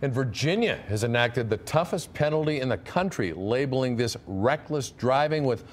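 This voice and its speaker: A man's voice: mid-range voice, animated, normal speed. Man, news anchor, scripted delivery, mid-range voice, slight background noise.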